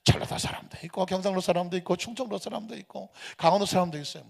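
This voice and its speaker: A man's voice: high-pitched, fast talker, creaky, in a large hall. A man from Seoul preaching a sermon as pastor, keeps firing rhetorical questions at the congregation. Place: church sanctuary.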